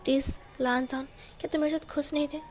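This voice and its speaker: A playful young prince who teases his love one moment and begs forgiveness the next, as a woman narrator puts him on. The voice sits high and light, and there is soft music underneath. It is plainly told, like a storybook retelling. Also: flat delivery, fast talker, lightly acted. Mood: pleading.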